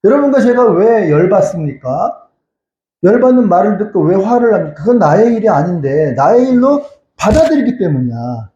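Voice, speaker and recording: A male pastor delivers a sermon in a high, mellow voice that swings widely up and down. He poses questions and answers them himself, repeats phrases and calls out hallelujah. The recording is echoey and a little muffled, as in a church sanctuary. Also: sing-song, moderate pace. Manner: cries out hallelujah again and again.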